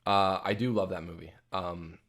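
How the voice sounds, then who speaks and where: A man's voice: deep voice, steady tone, moderate pace, fairly bright tone, faint music behind. A young man hosting a casual live Q&A, reading out chat questions and answering in a rambling way with lots of ums and restarts. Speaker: livestream host answering chat. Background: jazz playing from a phone.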